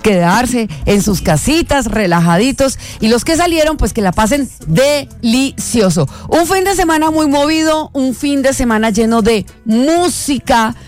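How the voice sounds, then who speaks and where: A woman's voice: sits high, expressive, measured pace, darkish tone, faint music behind. A Colombian woman hosting morning radio, chatting playfully with co-hosts and drawing out her words. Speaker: radio show host. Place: radio studio.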